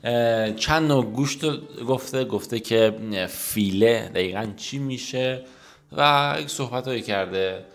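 Gravelly man teaching English at a quick clip. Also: mid-range voice. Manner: quick Persian explanations, slow careful English repetitions. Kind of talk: language lesson. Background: soft guitar music.

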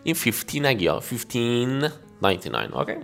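Low-voiced Persian man teaching English. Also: lively intonation, fairly bright tone, soft background music. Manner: slow, exaggerated reading of English example lines; explains rapidly in casual Persian, addressing viewers as kids. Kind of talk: language lesson explaining dialogue.

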